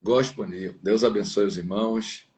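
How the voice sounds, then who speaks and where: A male pastor from northeastern Brazil speaks as a guest in a casual interview. His voice sits fairly low. He talks conversationally from his home over an internet call. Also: fairly even intonation, moderate pace, darkish tone. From Sergipe, northeastern Brazil.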